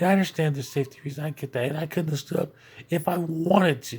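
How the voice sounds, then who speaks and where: Somewhat breathy and fairly high-pitched, a man speaks at a very fast pace with fairly even intonation. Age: 40s. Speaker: stroke survivor vlogger. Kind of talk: personal video diary. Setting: at home, in bed.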